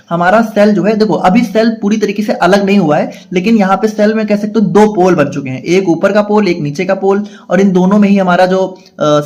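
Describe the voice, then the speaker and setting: High-voiced man tutoring step by step. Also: a little mellow. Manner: explains step by step, asks and answers his own questions; reads English definitions out slowly, explains them in Hindi. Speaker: pharmacy tutor. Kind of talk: explanatory lecture.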